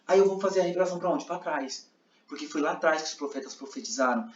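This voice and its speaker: A man teaches a class, walking his students through each step and often pausing to check that they follow. His voice sits a little high. The room echoes around him, and the recording sounds a bit muffled. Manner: explains with many checks like "tá?" and demonstrates lines aloud. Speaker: sign language interpreting teacher.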